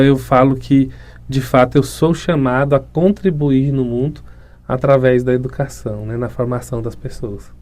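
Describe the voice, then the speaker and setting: A man's voice: medium pitch, warm tone. A man in his thirties with a Goiás Brazilian accent, answering interview questions earnestly and reflectively, often ending phrases with a tag question. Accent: Brazilian Portuguese, Goiás. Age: 30s. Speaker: municipal education secretary, guest.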